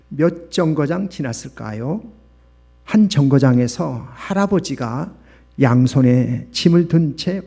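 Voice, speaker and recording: A man's voice: medium pitch, mellow, breathy edge. A male pastor praying and then reading a letter aloud as a dramatic story in a revival sermon.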